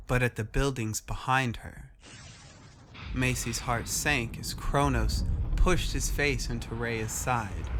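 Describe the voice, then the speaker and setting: A man's voice: mid-range voice, background noise. A man reading scripted, dramatic story narration as a narrator. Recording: music under the voice. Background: background music.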